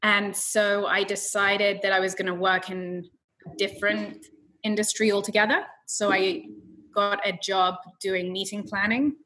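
A woman from London, England, with an English accent softened by an American twang, a realtor chatting as an interview guest. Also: mid-range voice, fairly even intonation, poor audio. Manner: chatty, quick storytelling. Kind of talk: casual interview answers.

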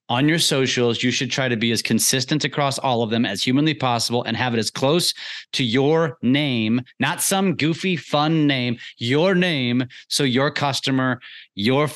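A man's voice: mid-range voice, fairly bright tone. A man hosting a podcast interview in an informal, emphatic, enthusiastic conversational way. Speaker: podcast host.

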